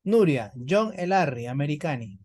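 A woman teaching a beginners' Italian class, slowly modelling words and patiently repeating them for her students. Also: deep voice, very animated, mellow. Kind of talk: online language lesson.

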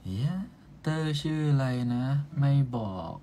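A man's voice: mid-range voice, steady tone, measured pace, dark tone, a little hiss or hum. Young man chatting on a live stream. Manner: playful, teasing banter with viewers. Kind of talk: casual live-stream chat reading comments.

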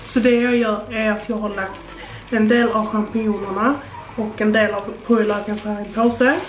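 Speaking at a medium pitch in a steady tone, the Swedish vlogger in her twenties explains her recipe step by step, peppering it with fillers. The camera's built-in mic catches her from a little way off on the counter. Her small kitchen gives an echoey, noisy recording.

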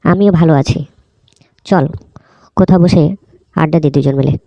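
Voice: medium pitch, normal speed, vocal fry, mellow, no room sound, close to an everyday voice. A performer voicing a broke, pleading cartoon friend who talks in a casual, chummy, coaxing way. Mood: friendly, nostalgic. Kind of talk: cartoon dialogue.

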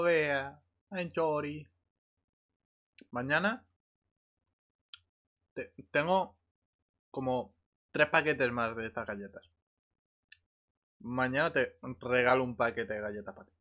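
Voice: mid-range voice, slow, pauses often, muffled recording. A game streamer with an accent from Spain, chatting casually on a live stream. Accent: Spanish, from Spain. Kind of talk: casual gaming stream chat.

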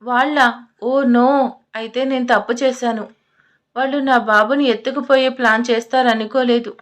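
Storybook role: an anxious, tearful young mother, read by a woman narrator, fairly high voice. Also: steady tone, moderate pace, lightly acted. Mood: frightened. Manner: pleading, tearful.

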